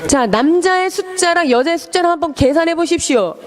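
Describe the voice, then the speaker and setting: A woman with a high voice interprets a sermon live, repeating each point of the preacher. Her pitch swings widely as she explains and emphasizes. She speaks in a church. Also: lively intonation, a little fast.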